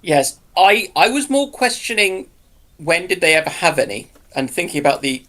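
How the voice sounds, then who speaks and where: A man's voice: sits high, very animated, moderate pace, pushed and bright. A man chatting casually as a panellist on a livestream, trading banter.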